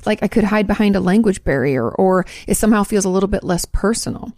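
A woman's voice: medium pitch, expressive, fast talker, warm tone, no room sound, clean studio sound. A woman therapist hosting her own advice podcast, chatting casually and correcting herself as she goes. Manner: chatty, self-correcting, laughs at own slips. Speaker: podcast host, marriage and family therapist. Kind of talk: casual chat answering listener questions.

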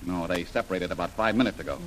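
A man's voice: sits low, fast, fairly bright tone, slight background noise. An actor playing a bold, confident male jungle adventurer who takes charge in an old radio serial.

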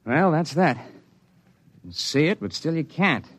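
An actor in a radio drama playing a man who narrates his climbing story in a measured, matter-of-fact way. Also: on the high side, very animated, exaggerated voice. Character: steady adult male climber telling his story.

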